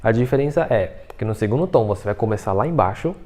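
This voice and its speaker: A man's voice: on the low side, lively intonation, fast talker, warm tone. A man, patiently explaining pronunciation in a casual video lesson, checking in with "tá?" and "né?" as he goes. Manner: explains patiently, many fillers like "tá?" and "né?". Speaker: Mandarin teacher.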